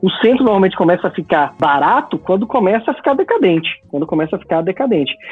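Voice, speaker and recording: A high-pitched man at a very fast pace over music in the background, with hardly any pauses, very even loudness and very wide pitch swings. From Brasília, Brazil. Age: 30s. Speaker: physical education teacher. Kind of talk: interview.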